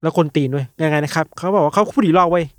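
A man chats on a podcast with a high, quick delivery. He drops into the voices of the people in his stories and swears casually. His voice sounds close and dry, with no room around it. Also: no echo. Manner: animated storyteller, acts out quoted callers. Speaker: podcast co-host. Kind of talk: casual chat.

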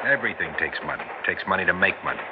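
A slick, restless businessman with a low, animated voice. He is brash and impatient, talking in cocky slang. The sound is that of a dull, old drama recording. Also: racing, noisy background. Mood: brisk, dismissive. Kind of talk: old broadcast drama acting.

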